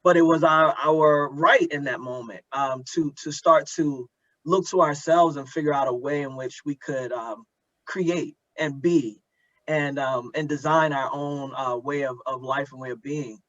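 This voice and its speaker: A man's voice: fairly high pitch, fairly even intonation, unhurried, fairly bright tone, no room sound. A man hosting a thoughtful interview, speaking earnestly and searching for his words, on a slightly lo-fi recording. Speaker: podcast host, interviewer.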